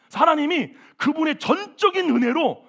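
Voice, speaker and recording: High-voiced, gravelly male preacher. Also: a little fast. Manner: animated, exclamatory preaching with self-mocking asides. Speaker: senior pastor. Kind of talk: sermon. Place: church service.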